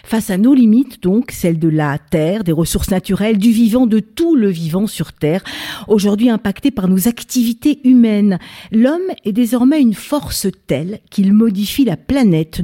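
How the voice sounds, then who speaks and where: A woman's voice: medium pitch, mellow. A woman hosting a panel debate, speaking with frequent fillers and restarts. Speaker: debate host. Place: library event venue.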